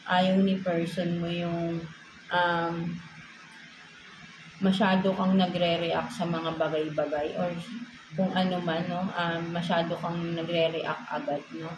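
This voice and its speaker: A woman with a Filipino accent gives a relaxed tarot reading, mixing two languages and checking in with "no?" after nearly every thought. Her voice sits a little low. The recording carries a noticeable room echo with steady background noise. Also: slow pace, pauses often. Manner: code-switching, frequent tag "no?". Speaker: tarot reader.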